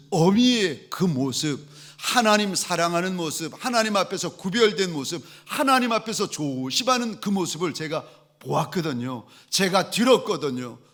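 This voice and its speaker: A middle-aged man preaches from a church pulpit in a fairly high voice. His pitch swings widely as he tells a moving personal story, sinking to near-whispers and then climbing into raised exclamations. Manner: emotional storytelling, swinging between hushed and raised voice. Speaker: pastor.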